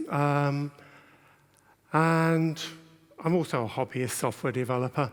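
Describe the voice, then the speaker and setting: This man has a British accent and a fairly high pitch. He talks at a fairly slow pace with ordinary pitch variation. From England. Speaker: software engineer, team lead; conference presenter. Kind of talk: conference talk. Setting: stage with audience. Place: stage.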